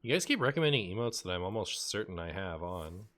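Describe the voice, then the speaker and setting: A man's voice: low-pitched, very animated, quick pace, fairly bright tone. A man casually commentating a live game stream, playful with dry asides. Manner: playful, hammy mock outrage and dry asides. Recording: faint background noise.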